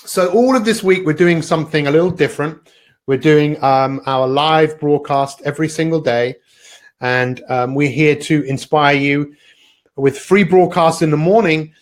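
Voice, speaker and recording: Upbeat male coach host with a fairly high voice, chatty, motivational, live-stream feel. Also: normal speed. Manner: upbeat, chatty, with frequent ums and uhs. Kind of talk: live online broadcast, motivational talk.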